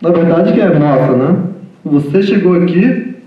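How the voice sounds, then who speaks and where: Halting man in an echoey lecture hall. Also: a little high, expressive. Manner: halting, repeats "né?" constantly. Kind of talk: informal lecture talk. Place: lecture room. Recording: echoey hall from far off, dull sound.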